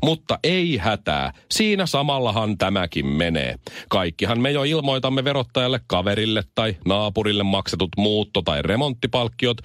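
Wry low-voiced man hosting morning radio. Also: dry recording, studio quality. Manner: wry, deadpan teasing. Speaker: radio morning show host. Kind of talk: satirical news reading and casual banter.

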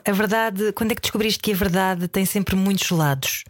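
A woman's voice: mid-range voice, fairly quick. A woman with a European Portuguese accent, co-hosting and putting questions in a casual interview. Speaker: podcast co-host, interviewer.

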